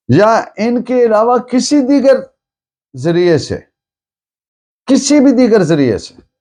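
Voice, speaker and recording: A man with a Pakistani accent lecturing on a legal text, deliberate, restating things in other words as he explains. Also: a little high, a little mellow. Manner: deliberate, explains by repeating and rephrasing. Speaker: law lecturer.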